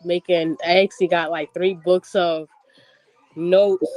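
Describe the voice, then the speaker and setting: A student with a hoarse voice speaking haltingly on a video call class, searching for words. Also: medium pitch, little pitch movement, darkish tone, no echo, poor audio.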